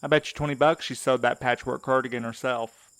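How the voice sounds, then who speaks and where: A man's voice: mid-range voice, fairly even intonation, fairly quick, a bit bright, clear, resonant tone, natural voice. A man playing a wry, exasperated, wary supernatural mail courier in an audio drama, talking in a colloquial, needling way. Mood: dry sarcasm.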